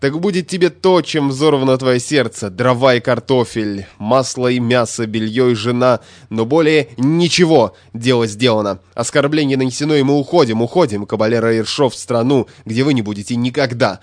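A man voicing a proud, mocking male Spanish gentleman who speaks slowly and haughtily. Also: medium pitch, no room sound, close to an everyday voice. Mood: haughty.

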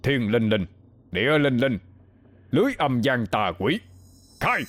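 A man's voice: mid-range voice, sing-song, measured pace, a bit bright, voice pushed up. A man voicing a bold middle-aged exorcist master who barks orders and chants spells. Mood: commanding.

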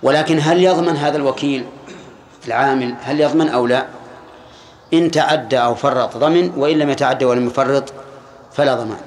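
An older man giving a classroom lesson on Islamic law, speaking in measured phrases and questioning his students. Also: mid-range voice, a little mellow. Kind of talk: classroom lecture on hadith.

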